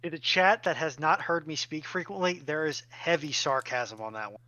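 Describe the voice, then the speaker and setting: A man's voice: fairly high pitch, expressive, normal speed, sharp tone, dry recording. A man chatting casually on a panel as a self-described layman, somewhat hesitant and self-deprecating. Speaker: panelist giving layman's takes. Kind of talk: casual chat.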